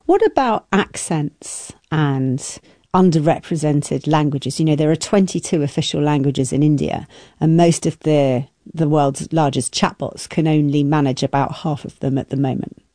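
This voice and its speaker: A radio interviewer reading a scripted introduction and asking measured, probing questions in a studio. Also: mid-range voice, dark tone, no echo.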